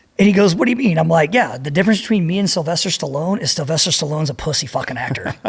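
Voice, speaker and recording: Noticeable background noise accompanies a man speaking at a very fast pace. His pitch is fairly high, with ordinary variation. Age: 50s. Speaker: war veteran and knife maker. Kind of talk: casual chat.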